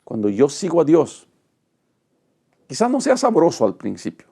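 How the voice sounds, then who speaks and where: A man's voice: fairly high pitch, huge pitch swings, moderate pace, creaky, dark tone, husky. A middle-aged male pastor, teaching a Bible study lesson with dramatic, emphatic delivery and rhetorical lists.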